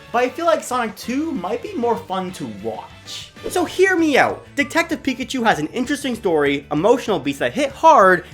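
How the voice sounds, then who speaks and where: Female video essayist: animated delivery, casual, playful, emphatic, light music underneath. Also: mid-range voice. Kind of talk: conversational opinionated video essay narration.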